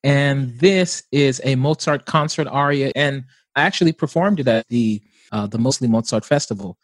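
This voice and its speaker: A man's voice: medium pitch, normal speed, no room sound. A man, an opera tenor, giving thoughtful, earnest interview answers.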